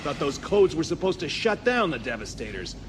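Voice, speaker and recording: An actor playing a cocky, gruff smuggler pilot, wry and brusque, in a space-opera audio drama. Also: male voice, a little high, very animated, fairly quick, noisy background. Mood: irritated, sarcastic.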